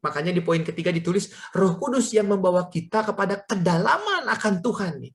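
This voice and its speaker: A woman's voice: mid-range voice, animated, brisk. A woman preaching a sermon at a prayer meeting, telling stories and speaking directly to her listeners as friends. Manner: storytelling, addressing listeners as friends.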